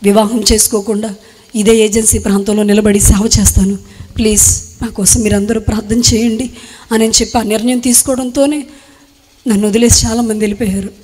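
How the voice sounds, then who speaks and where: A young woman gives an emotional Christian testimony as a widow, retelling events earnestly in short, halting phrases. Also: medium pitch, fairly even intonation, a little mellow, slightly rough. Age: young adult. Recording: long hall reverb.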